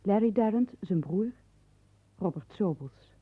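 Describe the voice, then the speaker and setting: A woman reading closing credits as a radio announcer, with formal, measured enunciation in a 1960s broadcast style. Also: mid-range voice, expressive, slightly rough, no room sound. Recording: dull lo-fi 1960s radio recording.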